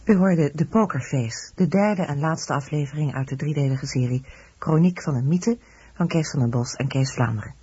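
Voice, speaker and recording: A man's voice: a little high, moderate pace, dark tone, husky. A man reading scripted radio credits as the announcer. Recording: dull lo-fi radio recording.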